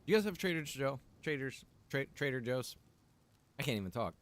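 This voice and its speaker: A man hosting a livestream, chatting casually to viewers in a rambling, halting way with informal asides. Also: medium pitch, lively intonation, a bit bright. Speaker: livestream host. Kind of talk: casual chat to stream viewers.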